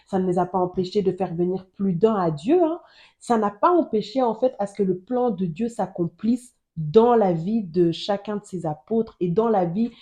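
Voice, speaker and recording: A woman's voice: mid-range voice, dark tone. A woman from Germany hosting a Christian podcast, giving an earnest personal testimony and Bible teaching, often repeating phrases for emphasis.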